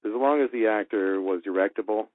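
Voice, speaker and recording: Man with a low voice on a tinny line. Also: fairly quick, no room sound. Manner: candid, explanatory, with many fillers. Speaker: radio producer and audio engineer. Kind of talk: voice-acting advice talk. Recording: tinny phone-like line, dry.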